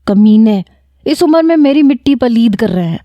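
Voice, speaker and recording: A woman's voice: a little high, expressive, no echo, dull audio, close to an everyday voice. A woman voicing a hot-tempered older father who scolds and commands. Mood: scolding.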